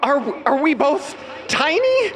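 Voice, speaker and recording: A man voicing a tiny, nervous scientist's assistant in a comic audio drama, with loud sound effects behind. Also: extremely high pitch, sing-song, slow pace, heavy background noise, exaggerated voice. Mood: panicked.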